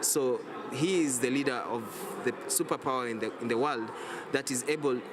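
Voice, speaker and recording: A man's voice: medium pitch, normal speed, a crowd in the background. A young man from Kenya, a student climate activist, speaking earnestly in a street interview. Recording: loud noise behind, outdoors.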